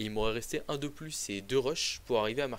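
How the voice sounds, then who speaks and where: A man speaks at medium pitch. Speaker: gaming youtuber. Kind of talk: game commentary review. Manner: fast; hesitant, many fillers.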